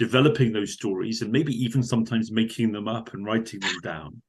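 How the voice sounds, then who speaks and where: Here is a man with an unremarkable speaking voice at a medium pitch. He moves at a fairly quick pace with ordinary pitch variation. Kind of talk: casual interview talk.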